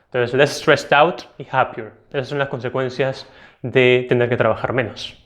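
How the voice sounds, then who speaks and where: A man with a Latin American Spanish accent teaching a test-prep video lesson, explaining clearly and emphatically and checking in with "ok?". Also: mid-range voice, fairly even intonation, moderate pace, fairly bright tone.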